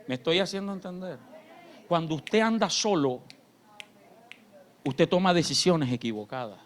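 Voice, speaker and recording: A man pastor, preaching a sermon in church. His delivery swings between shouted fervor and quiet, confiding talk. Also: a little high, animated, normal speed. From Colombia. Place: church sanctuary.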